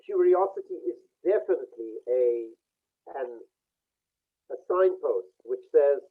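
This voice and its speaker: A man's voice: on the high side, slightly rough. Man on a tinny video call. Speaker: face reading speaker. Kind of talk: online group session. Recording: tinny phone-like call audio.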